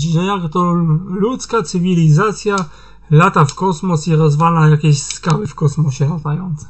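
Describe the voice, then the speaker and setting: A man's voice: high voice, a little hiss or hum. A man reading his own fan fiction aloud in a loose, casual manner, with slang and heavy swearing. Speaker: amateur fan fiction reader. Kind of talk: casual story narration.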